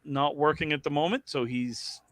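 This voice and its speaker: A man's voice: on the high side, normal speed, no echo, clean studio sound. A man hosting a casual bowling podcast, chatting loosely and stumbling over fillers. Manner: rambling, fillers, self-deprecating. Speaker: podcast host.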